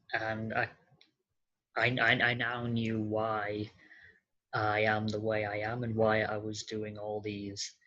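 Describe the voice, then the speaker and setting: A podcast guest with a masculine-sounding voice answers conversationally in a halting, hesitant way, on slightly muffled audio. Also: mid-range voice, fairly bright tone.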